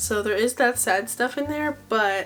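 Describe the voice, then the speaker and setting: A woman is talking. Background noise is noticeable behind her. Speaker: book vlogger. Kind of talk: casual chat. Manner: casual, filler-heavy.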